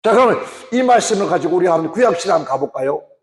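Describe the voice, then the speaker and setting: Man, pastor, sermon, high voice, asks the congregation questions. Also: animated, rapid-fire. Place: church. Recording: echoey church hall.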